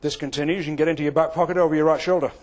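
An older man from England, giving an after-dinner comedy talk on a banquet stage with a deadpan, well-timed delivery on a lapel mic. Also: on the high side, very fast, noisy background. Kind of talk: stand-up comedy presentation. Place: large banquet hall stage.

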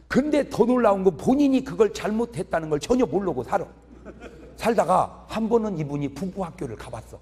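Man preaching a funny revival sermon, high voice swinging all over, long echo in a big church hall. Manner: animated, joking, chuckles through lines. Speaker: pastor.

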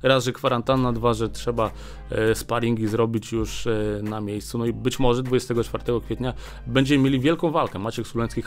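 A man in his thirties hosting a boxing news roundup in casual commentary, talking into a desk mic in a small studio and pausing often with filler sounds. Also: medium pitch. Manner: chatty, many filler "e" pauses. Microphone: desk mic on a small stand.

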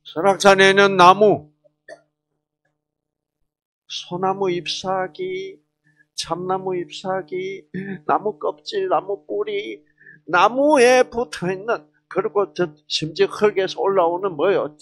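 A man's voice: sits high, steady tone, slow, a bit bright. A man giving a health lecture to a live audience, quizzing the listeners with questions and jokingly slipping into regional dialects.

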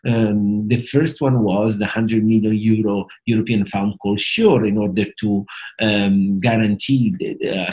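A middle-aged man from Italy with an Italian accent, explaining in a halting, hesitant way with many fillers and repeated words, like a professor speaking to a webcam. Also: on the low side. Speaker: professor of finance and risk management. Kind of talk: explanatory talk to camera. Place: small indoor home office with bookshelves.

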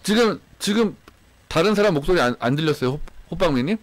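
A man in his thirties streaming live from a small room on a headset mic, loud and excitable, often laughing. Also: on the high side, fast talker. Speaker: game streamer. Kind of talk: casual live-stream chat.

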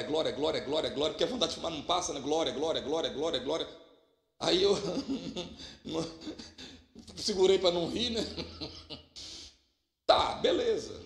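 A man preaching a lively, humorous sermon with a Minas Gerais accent, jumping from loud exclamations to quiet asides. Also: fairly high pitch, vocal fry. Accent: Minas Gerais Portuguese. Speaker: pastor. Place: church hall. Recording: echoey church hall.

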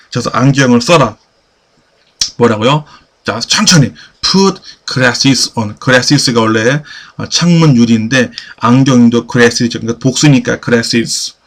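A man teaching a basic English class, repeating phrases slowly and pushing students to answer. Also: medium pitch. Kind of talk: classroom lecture.

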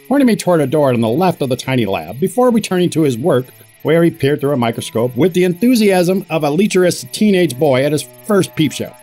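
An actor playing a wry, squeamish middle-aged corporate boss, narrating an audio drama in wordy, pompous style. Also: male voice, a little high, darkish tone.

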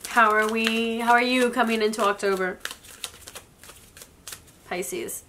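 A young woman in her twenties gives a slow, reflective tarot reading, sounding sniffly from a cold. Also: a little high, fairly even intonation, slight background noise. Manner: soft, slow and reflective, with occasional small laughs. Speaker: tarot reader. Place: indoors, in front of a floral blanket.

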